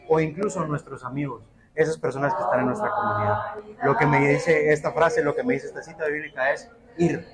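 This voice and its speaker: Earnest man, heavy background noise. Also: on the high side. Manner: earnest, exhortative. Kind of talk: devotional reflection.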